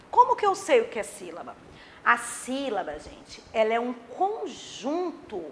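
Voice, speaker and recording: Lively teacher woman, animated pitch. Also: slight background noise. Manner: plays imagined pupils' questions. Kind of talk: children's grammar lesson.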